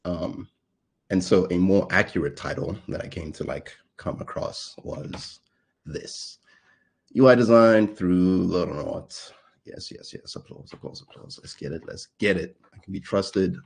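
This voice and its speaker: A young South African man delivers a casual, playful conference talk in a deep, creaky, slightly rough voice that moves a little slowly. He jokes at his own expense and leans heavily on fillers.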